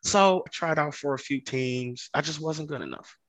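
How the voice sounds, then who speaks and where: A man's voice: a little high, moderate pace, a bit bright, no room sound. A man from Ghana talking as a podcast guest, telling his story in an earnest, conversational way and repeating phrases for emphasis. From Ghana, West Africa. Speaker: podcast guest, construction business owner.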